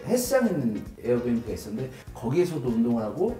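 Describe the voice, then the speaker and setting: 충청도 억양을 쓰는 남자 게스트가 자주 웃으며 장난스럽게 대화한다. 목소리 높낮이가 아주 크게 출렁이고, 울림이 있는 방에서 녹음되었으며 음악이 또렷하게 깔린다. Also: male voice, medium pitch, very animated, mellow, echoey room, recorded from a distance, faint music behind. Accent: Chungcheong. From Chungcheong, Korea. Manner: laughs often, playful, quick reactions. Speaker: guest. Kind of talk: casual chat.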